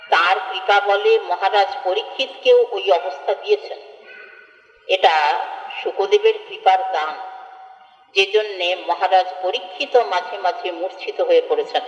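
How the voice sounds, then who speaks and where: A woman from West Bengal giving a devotional scripture discourse, explaining earnestly and chanting verses slowly. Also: mid-range voice. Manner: earnest expository, with slow chanted verse recitation. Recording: echoey hall, dull lo-fi, faint music.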